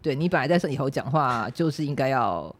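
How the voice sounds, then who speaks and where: Female host, Taiwanese Mandarin accent, fast and expressive, chatty explainer for a casual podcast. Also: rumbling low.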